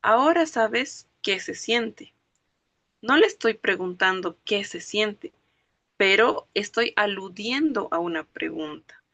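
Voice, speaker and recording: A woman with a mid-range, slightly bright voice and lively intonation teaches a grammar lesson, with no echo in the room. She explains slowly and step by step, and as a language teacher in a classroom lecture she keeps checking that her students follow with "¿ok?" and "¿no ve?".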